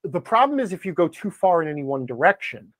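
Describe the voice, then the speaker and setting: A man's voice: a little high, very animated, fast, fairly bright tone, no room sound, studio quality. A man speaking as a podcast guest in a conversational interview, wordy and opinionated as he explains things. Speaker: podcast guest, game blogger and author.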